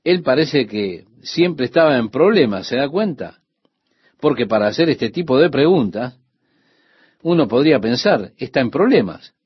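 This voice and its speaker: Guy teaching the bible verse by verse, husky voice, bounces around a lot, kinda dull dry recording. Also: mid-range voice, expressive, moderate pace, no echo. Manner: explains to the listener directly, formal address.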